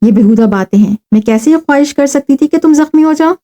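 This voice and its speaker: A woman voicing Rabia, a gentle, modest and devout young woman who speaks earnestly. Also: sits high, expressive. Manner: soft, earnest.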